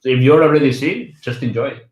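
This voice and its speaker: A man's voice: medium pitch, brisk, roomy sound, muffled recording. A man from Catalonia in Spain, a native Catalan and Spanish speaker, co-hosting a casual travel livestream in a chatty, teasing way.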